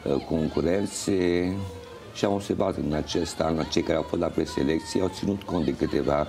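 An older man being interviewed in a TV studio, explaining things in a halting, measured way. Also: deep voice. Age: older, around 60s. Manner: halting, measured, pausing mid-phrase. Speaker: interview guest, folk festival organizer and juror. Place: indoor TV studio. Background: music playing.

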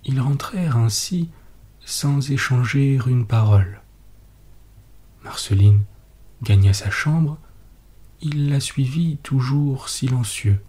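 A man reads a bedtime story in a soft, hushed voice that often falls to a whisper. His pace is very slow, and the tone is very mellow and breathy. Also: medium pitch, animated. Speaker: podcast narrator.

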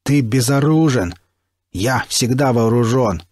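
A man voicing a scornful, menacing male stalker who speaks slowly and with contempt. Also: mid-range voice, darkish tone, no echo, clean studio sound, lightly acted. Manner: slow, drawn-out, contemptuous.

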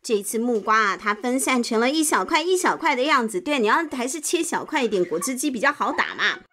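A woman's voice: a little high, lively intonation, a little fast. A woman telling a picture-book story as if reading to a toddler, exclaiming and asking little questions. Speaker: host, storyteller. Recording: music behind the voice. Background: soft music.

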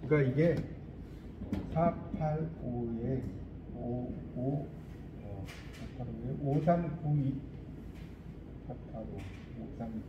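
A man's voice: a little high, slight background noise. Guy teaching english in class, bouncy voice, asks lots of questions, kinda dull echoey recording. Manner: lively, quizzing students with questions; reads English phrases slowly and deliberately.

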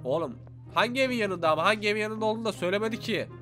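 A young gaming YouTuber gives excited let's-play commentary in a high, bright, sharp voice, full of energy. He exclaims readily and talks straight to his viewers, with faint game music playing underneath.

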